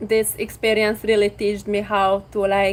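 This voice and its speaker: At a fairly slow pace, a woman speaks in a medium pitch with flat, monotone intonation. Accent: Hungarian. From Hungary. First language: Hungarian. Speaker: vlogger. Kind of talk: casual live stream chat. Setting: live stream.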